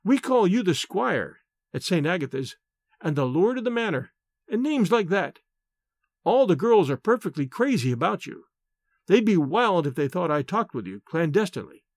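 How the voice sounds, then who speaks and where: A man's voice: sits high, very animated, moderate pace, no echo, studio quality, heavily acted. A man voicing a coquettish, mocking teenage schoolgirl with an arch, melodramatic manner, as in an audiobook. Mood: teasing, confiding. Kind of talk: audiobook character dialogue.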